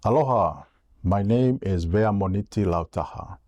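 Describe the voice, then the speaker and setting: A man from Tonga reads his prepared campaign statement in an earnest, measured way. His voice is low, dark and gravelly. The sound is dry, with no room echo. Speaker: political candidate.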